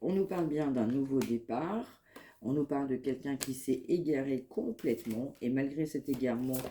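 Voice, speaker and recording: A woman with a head cold giving a spoken psychic reading to her viewers, in calm, measured, repetitive phrasing. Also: very deep voice, a little hiss or hum. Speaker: medium giving a card reading.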